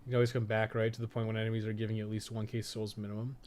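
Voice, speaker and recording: A man's voice: lowish voice, completely flat delivery, rapid-fire, darkish tone, slight background noise. A man doing casual livestream commentary on a video game, rambling and muttering his thoughts aloud as he plays. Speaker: host of a game guide livestream.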